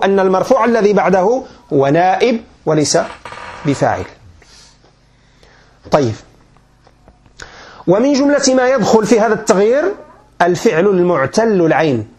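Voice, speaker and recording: A sheikh with a Moroccan accent gives a grammar lecture in a notably high voice. He circles back over each point, restarts phrases and keeps asking his class whether they have understood. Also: darkish tone. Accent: Moroccan Arabic. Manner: quizzing listeners with frequent check questions; patient, repeats and restarts points.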